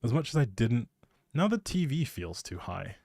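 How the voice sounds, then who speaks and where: Male streamer, soft mellow tone, casual teasing ramble, close dry mic. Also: medium pitch, big pitch swings, moderate pace, gravelly, dry recording. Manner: playful, teasing, thinking aloud. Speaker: live streamer.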